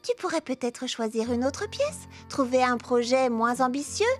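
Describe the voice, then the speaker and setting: Casting: a kind, encouraging girl friend in a cartoon, high-pitched, over light music. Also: very animated, normal speed. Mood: reassuring. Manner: gentle, reassuring. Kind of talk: French cartoon dub acting.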